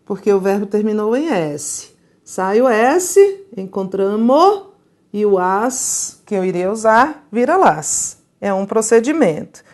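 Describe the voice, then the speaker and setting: Slow, didactic woman teaching grammar. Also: mid-range voice, sing-song, a little mellow. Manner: didactic, asks and answers her own questions. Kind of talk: recorded grammar lesson.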